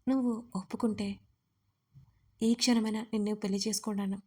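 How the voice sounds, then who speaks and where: A woman voicing an earnest young man in love who teases gently, in an audio story. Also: medium pitch, steady tone, normal speed, close to an everyday voice. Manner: playful, earnest.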